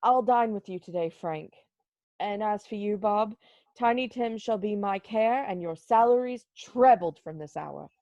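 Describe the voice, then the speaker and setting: A woman's voice: mid-range voice, unhurried, dark tone, no echo, muffled recording, natural voice. A woman playing an old male miser, giddily reformed and penitent, in an amateur dramatic reading full of exclamations. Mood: generous cheer. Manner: exclamatory, effusive.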